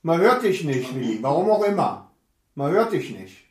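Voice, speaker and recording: A man's voice: on the high side, very animated, normal speed, reverberant. A man hosting a casual group video call, joking as he calls on guests one by one. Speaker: host of a motorbike chat stream.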